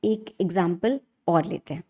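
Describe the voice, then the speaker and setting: An Indian woman lecturing conversationally as a law teacher, often asking questions and answering them herself in an animated teacherly way. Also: lowish voice, moderate pace. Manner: animated teacherly, asks and answers own questions, frequent check-ins. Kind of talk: conversational online lecture in mixed Hindi and English.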